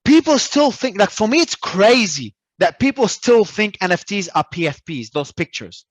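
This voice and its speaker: A man from Australia, a guest talking in an animated, emphatic way and often repeating words as he restarts. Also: high-pitched, normal speed, no room sound. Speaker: crypto entrepreneur guest. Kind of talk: casual interview talk.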